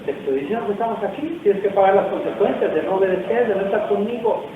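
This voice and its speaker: In a church hall, a man delivers a sermon as pastor, speaking fast in a high voice with lively intonation. He keeps it casual and asks the congregation questions. The audio is tinny and echoey, picked up from a distance with faint noise.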